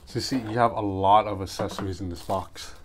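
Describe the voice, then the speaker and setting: A man's voice: fairly low pitch, fairly even intonation, brisk. A man giving an informal, off-the-cuff unboxing commentary, thinking aloud as he goes. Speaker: gadget reviewer. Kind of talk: casual unboxing vlog, hands-on commentary. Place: small room at home. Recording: clearly noisy small room with outside noise. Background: ambient street noise from outside.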